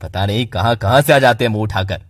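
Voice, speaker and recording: A man playing a husky, two-faced shopkeeper. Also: fairly low pitch, quick pace, close to an everyday voice. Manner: polite to rich clients, dismissive to poor. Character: rude, moody shopkeeper. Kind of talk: cartoon voice acting.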